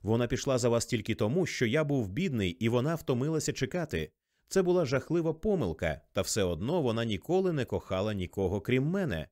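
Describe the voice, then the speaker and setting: A man's voice: mid-range voice, big pitch swings, fairly quick, a little mellow, dry recording, studio quality, natural voice. A man voicing a rich young man in love, speaking earnestly and insistently.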